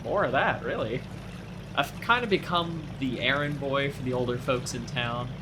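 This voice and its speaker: A man's voice: mid-range voice, moderate pace, noisy background, lightly acted. A man playing a friendly, easygoing small-town boat driver in a naturalistic audio drama, speaking conversationally. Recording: loud boat engine and water ambience.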